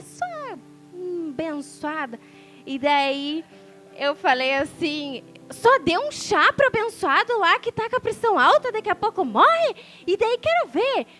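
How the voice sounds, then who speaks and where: A woman sharing a personal testimony as a sermon, telling the story with animation and acting out the voices of people she quotes. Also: high voice. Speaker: preacher.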